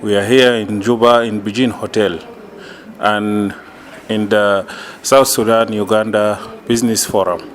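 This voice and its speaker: A man conducting an interview, speaking in halting, simple phrases. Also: on the low side, little pitch movement. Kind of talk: on-location interview.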